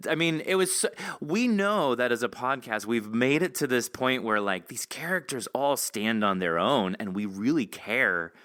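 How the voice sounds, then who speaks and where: A man hosting a podcast, chatting excitedly with actors, swearing casually and laughing often. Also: medium pitch, moderate pace, hardly any pauses, no echo, clean studio sound. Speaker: podcast host interviewing actors.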